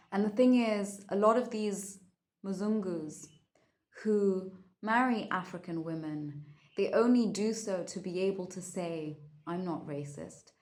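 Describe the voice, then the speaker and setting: A woman speaks at a fairly slow pace in a medium pitch, with ordinary pitch variation and audible room echo. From Kenya. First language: Kiswahili. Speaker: spiritual content creator. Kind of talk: personal monologue.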